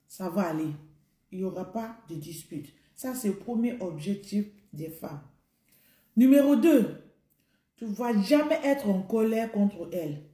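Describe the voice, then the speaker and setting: A vlogger speaks straight to the camera, offering humorous advice in a monologue, emphatic and repeating her points to the listener. Her voice sits in the mid range with a dark tone, and the room gives it an echo.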